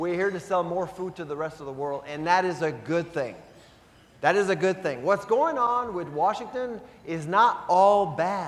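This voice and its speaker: The voice belongs to a man with a high pitch. He speaks at a moderate pace with ordinary pitch variation. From Quebec. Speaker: keynote speaker, food author. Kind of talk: dinner keynote speech.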